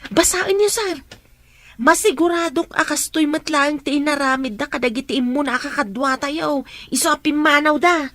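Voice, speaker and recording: A woman playing an excitable, nosy older household woman in an Ilocano radio drama, speaking in exclamations. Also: high voice, moderate pace, no echo. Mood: alarmed, insistent.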